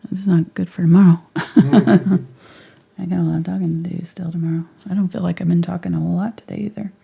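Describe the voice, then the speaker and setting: A woman's voice: on the low side, steady tone, brisk, vocal fry, breathy edge, muffled recording. A woman teaching a live painting tutorial, half-whispering while she paints and losing her voice. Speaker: painting instructor.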